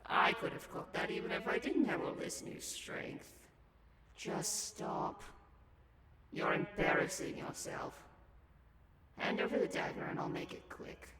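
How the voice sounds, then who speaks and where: A man playing an arrogant, menacing villainess in an audio drama, with a breathy voice. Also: high voice, sing-song, unhurried. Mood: contemptuous. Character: Judith, arrogant, menacing supernaturally strong villainess. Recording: very loud background noise.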